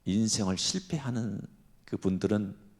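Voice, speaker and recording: A senior pastor, an older man, preaching a sermon with dramatic swings between loud cries and hushed whispers. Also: fairly low pitch, normal speed.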